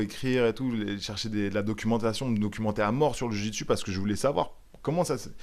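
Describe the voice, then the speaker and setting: This man talks at a very fast pace. His fairly low voice keeps a fairly even intonation. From France, Paris region (Nanterre). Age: 30s. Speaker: jiu-jitsu coach. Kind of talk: podcast interview. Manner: casual, many fillers.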